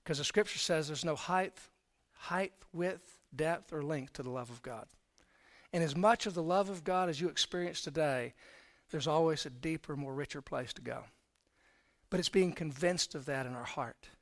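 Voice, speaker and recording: A middle-aged man preaching a sermon, telling personal stories in a conversational way that swings from quiet to loud emphasis. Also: on the high side, moderate pace. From Texas, raised in Florida.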